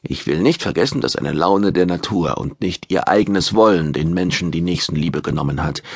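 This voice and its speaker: A man playing a tall, gaunt man who holds back his anger and speaks in a flat, clipped growl. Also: sits low, normal speed, slightly rough, no echo, studio quality. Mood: halting recital.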